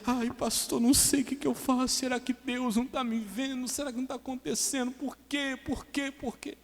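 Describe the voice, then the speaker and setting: A man voicing a self-pitying middle-aged churchgoing woman who whines and repeats her questions, high and plaintive. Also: fairly even intonation, brisk, long reverb tail. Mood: whining.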